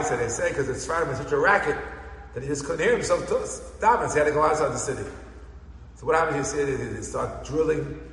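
A man with an American Yeshivish accent, teaching a Talmud class in a lively way and chanting the text he reads. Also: mid-range voice. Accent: American Yeshivish English with Hebrew and Aramaic terms. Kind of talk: Talmud lecture. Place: synagogue study hall. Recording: echoey hall recording.

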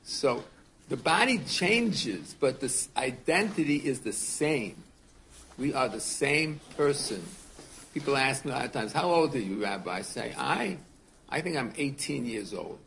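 A man in his seventies teaching a class as a rabbi, his voice carrying a gravelly edge. He talks in an earnest, unhurried way, circling back over his words and putting questions to the room. A faint hiss sits under the recording. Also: medium pitch, expressive, fairly bright tone. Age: 70s. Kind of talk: casual torah class.

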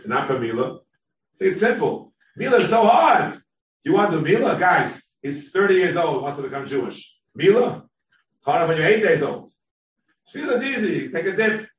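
A man's voice: fairly high pitch, fairly bright tone, slight background noise. Man teaching a text, echoey and distant. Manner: thinks aloud, quotes sources, quick asides. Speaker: Talmud teacher. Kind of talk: text-based Talmud class.

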